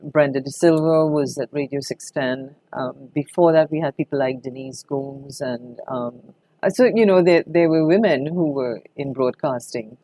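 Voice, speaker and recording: A woman's voice: extremely low pitch, moderate pace, mellow, dry recording, rough recording. An older woman with a Trinidadian accent reminiscing conversationally in an interview, telling anecdotes expressively as a veteran broadcaster.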